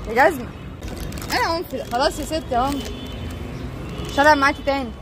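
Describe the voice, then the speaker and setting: A woman's voice: high-pitched, fast. A woman with an Egyptian Arabic accent vlogging outdoors, chatting and coaxing street animals in a teasing way. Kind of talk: casual vlog narration and talking to street animals. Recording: loud street traffic noise behind.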